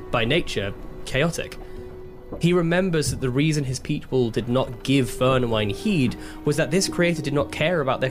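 Thoughtful man playing a tabletop game over music. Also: mid-range voice. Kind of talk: improvised tabletop roleplay, describing his character's actions.

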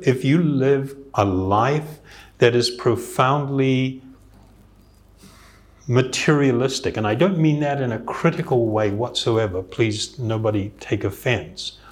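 A man who teaches yoga, giving an earnest, reflective spiritual talk and chuckling now and then. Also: medium pitch.

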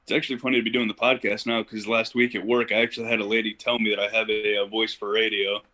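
Chatting casually as a podcast guest, this young man from Ohio spins relaxed stories peppered with "you know." He speaks fast in a level, lowish voice that sounds pushed and bright.

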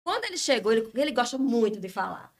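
A woman's voice: on the high side, big pitch swings, fast talker, creaky. A woman in casual podcast talk, chatting and telling anecdotes about her husband. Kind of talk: casual chat.

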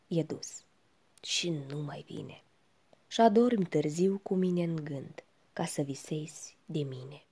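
A woman with a low, mellow voice recites poetry slowly. Her tone is husky and breathy, and she keeps dropping into a hushed whisper. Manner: slow, hushed, often sinking to a whisper. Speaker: reader.

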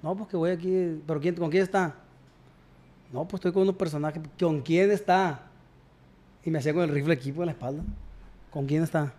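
A man tells stories as a guest in a casual chat, his voice sitting a little high. He talks in slang and acts out both sides of every exchange. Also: fairly even intonation, fast talker, warm tone. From Culiacán, Sinaloa, Mexico. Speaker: guest musician.

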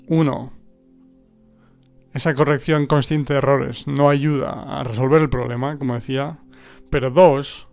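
In clean audio, a creaky, medium-pitched male voice delivers a casual monologue. He's a Spanish native speaker hosting a language-learning podcast, pondering ideas aloud with frequent restarts and rhetorical "¿no?" tags.

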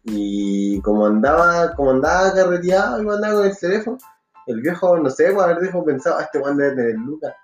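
A Chilean man with a fairly high voice, joking crudely in casual chat. He is recorded in an echoey room, and faint music plays behind him. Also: fairly quick, dull audio.

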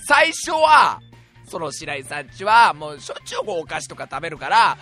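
A man with a hoarse, raspy, strained voice hosting a casual solo radio show in a lively storytelling way. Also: fairly high pitch, fast talker, soft background music. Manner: animated, laughs at his own stories. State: strained voice, holding volume down.

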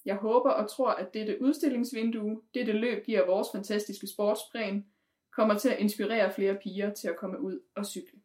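A woman's voice: medium pitch, steady tone, a little mellow. Woman podcast host, reads from notes, fillers, mid-range voice. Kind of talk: scripted presenting.

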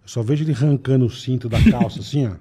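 A man co-hosting a podcast, telling stories in casual chat and acting out quotes with sudden high bursts. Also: very fast, mellow, husky. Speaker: podcast co-host.

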